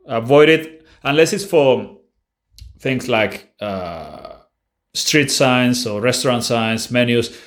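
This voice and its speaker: A man's voice: medium pitch, expressive, slow pace, fairly bright tone. A man hosting a casual language-learning Q&A, answering viewer questions bluntly and offhandedly with frequent restarts. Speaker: language-learning channel host.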